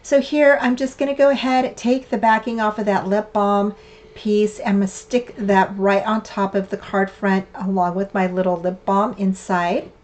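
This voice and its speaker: An older woman with a lilt talks through her card-making steps in a relaxed, chatty voice. She is a bit hoarse and raspy from a cough that hasn't quite cleared, and she often trails off into fillers and restarts. Her pitch is in the middle range for a woman. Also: moderate pace. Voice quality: slightly raspy. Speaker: craft channel host. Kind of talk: casual craft tutorial narration.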